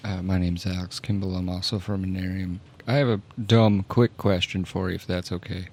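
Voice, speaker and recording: A man's voice: sits low, flat delivery, fairly quick, darkish tone. A man playing a tabletop game, improvising casual in-character chat in an awkward, hesitant, wry way.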